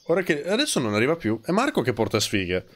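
A man's voice: mid-range voice, huge pitch swings, fast, a bit bright. A man in his thirties with a nasal, stuffed-up voice, chatting casually and bluntly as he streams a video game, teasing and swearing. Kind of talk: casual live gameplay chat.

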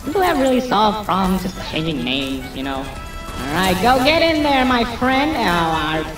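A man's voice: sits high, big pitch swings, moderate pace, over music. A man chatting over his gameplay through an echoing voice changer. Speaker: gamer. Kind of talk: gameplay commentary. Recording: echoey, distant, game sounds behind.

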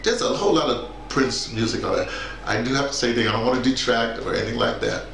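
A middle-aged man chatting casually and unscripted, rambling and halting as he thinks aloud and shares personal memories and opinions. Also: mid-range voice, animated, gravelly, fairly bright tone. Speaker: music commentator sharing personal memories. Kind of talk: casual spoken reminiscence, unscripted personal commentary. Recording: roomy echo, faint background noise.

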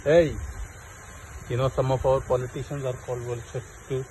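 A young man with a South Asian accent and Hindi-Urdu as his native language talks in a chatty, casual vlog style. His voice sits at a medium pitch. The recording is made outdoors on a phone, with clear background noise. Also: level tone, moderate pace, mellow, low-quality recording. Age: young adult. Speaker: vlogger. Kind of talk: casual zoo vlog chat. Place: outdoor zoo.

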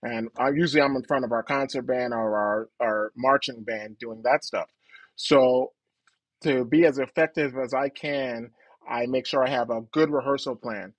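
A man's voice: mid-range voice, steady tone, moderate pace, no room sound, dull audio. A man who conducts a military band, speaking in a matter-of-fact, practical way on a video call from an office. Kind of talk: video call panel discussion. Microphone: video call webcam.

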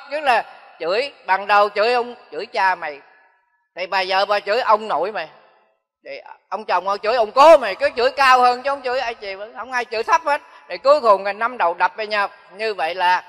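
A man's voice: high-pitched, bright, forceful tone. An older man, a Buddhist monk, giving a folksy dharma talk that repeats phrases for emphasis. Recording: long hall reverb.

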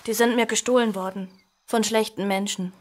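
An actress playing an earnest, cautious girl who recounts her story in a horror audio drama, measured and reflective. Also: medium pitch, fairly even intonation, slight background noise, close to an everyday voice. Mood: hesitant, gentle. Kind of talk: audio drama narration and dialogue. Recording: music behind the voice.

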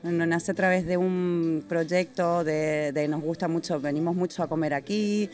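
A woman, a brand founder, answering questions in a relaxed, slightly hesitant way. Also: fairly low pitch, moderate pace. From Argentina. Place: indoors in a busy restaurant. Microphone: handheld mic held by interviewer.

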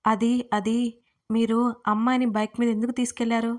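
A woman's voice: a little high, little pitch movement, fairly quick, darkish tone, close to an everyday voice. A woman voicing an obsessive young woman who clings to a man over the phone in a storybook reading. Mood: clingy. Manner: breathy, pleading.

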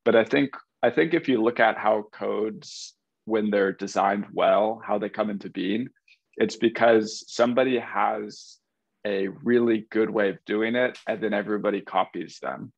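A man's voice: on the low side, measured pace, gravelly, no echo. A man in a casual group discussion on a video call, rambling loosely and filling with "like.". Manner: rambling, uses "like" often, apologetic. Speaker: meetup participant. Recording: dry, dull video call audio.

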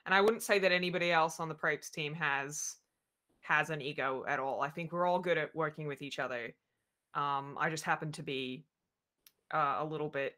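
A woman speaks candidly as a writer on a video-call panel. Her voice is quite deep for a woman, with a bright, crisp edge. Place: indoor room, video call.

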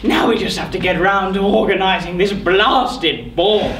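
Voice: mid-range voice, unhurried, a bit bright, lightly acted. An amateur actor playing a bluff, hearty, slightly pompous king and father in a stage pantomime. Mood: grumbling. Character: bluff, approving king and father, grumbling about his wife. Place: theatre stage before an audience. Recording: echoey hall, faint noise, distant camera.

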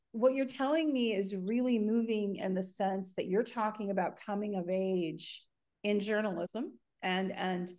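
A middle-aged woman hosting an interview over a video call from home, talking haltingly with many fillers. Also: mid-range voice, darkish tone. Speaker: host. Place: home room, indoors.

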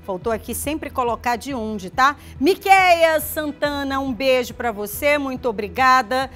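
A high-pitched woman presents live regional TV news, speaking into a studio lapel mic. She is chatty and direct with viewers, checking in with quick "tá?" tags and reading their messages back warmly, while faint music plays underneath. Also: lively intonation. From Maranhão, Brazil. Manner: reads viewer messages aloud, greeting them warmly by name.

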